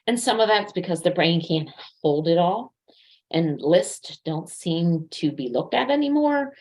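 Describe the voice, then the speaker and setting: A woman with a low-pitched voice presents in an informal, educational style. She talks conversationally, like a coach explaining things from her own experience. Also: expressive, a little slow, darkish tone. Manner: conversational, illustrates points with personal anecdotes.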